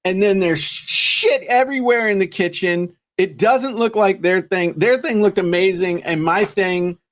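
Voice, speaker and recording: A man's voice: high-pitched, unhurried, a bit bright. A man co-hosting a podcast in casual chat, rambling and joking with lots of restarts. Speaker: podcast co-host.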